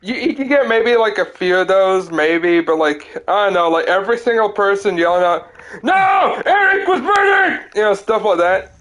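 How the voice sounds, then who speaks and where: A man's voice: high-pitched, normal speed, few pauses, fairly bright tone. A young man streaming a game, rambling, laughing and swearing in casual chat.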